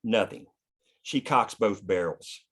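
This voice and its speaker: A man's voice: lowish voice, slow pace, a bit bright. A man narrating scripted action and scene headings at a screenplay table read. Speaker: narrator reading stage directions.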